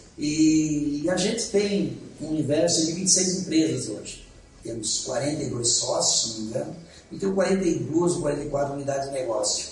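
A man's fairly high voice moves at a fairly slow pace with ordinary pitch variation, with audible room echo and noticeable background noise. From Santa Catarina, Brazil (Taió, rural interior). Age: 50s. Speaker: entrepreneur. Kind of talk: interview. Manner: halting, many fillers.

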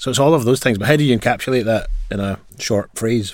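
A man with a Glaswegian accent. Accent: Glaswegian Scottish. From Glasgow, Scotland. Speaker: investment partner. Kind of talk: podcast interview. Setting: studio.

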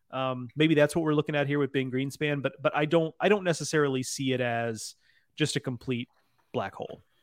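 A man with an American accent has an ordinary speaking voice, a fairly high pitch and ordinary pitch variation. The sound is dry and close, with no echo. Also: fairly quick pace. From Texas. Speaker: college baseball writer. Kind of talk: casual chat.

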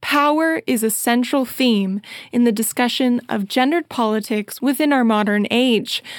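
At a moderate pace, a woman speaks in a high pitch with ordinary pitch variation and very even loudness, the sound dry and close with no echo. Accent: Canadian. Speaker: PhD researcher and documentary maker. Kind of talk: documentary narration and interview. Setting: remote call.

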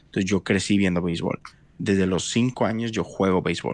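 A man with a plain, everyday voice talks at a moderate pace in a fairly low pitch with ordinary pitch variation. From Mexico, Monterrey. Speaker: podcaster. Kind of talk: casual debate.

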